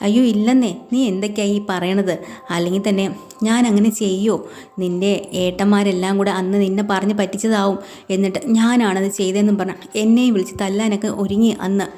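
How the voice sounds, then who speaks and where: A man's voice: high voice, fairly even intonation, fairly quick, mellow, lightly acted. A woman doing a sly young man in a temper. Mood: defensive. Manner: defensive denials, then bitter threats.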